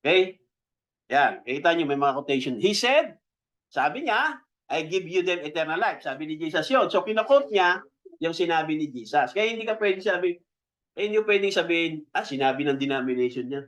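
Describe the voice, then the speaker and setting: Filipino-accented male pastor, conversational sermon delivery, voice a bit high, slows on key words. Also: animated, a bit bright. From Philippines. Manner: conversational, checks in with the congregation. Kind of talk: Taglish sermon teaching.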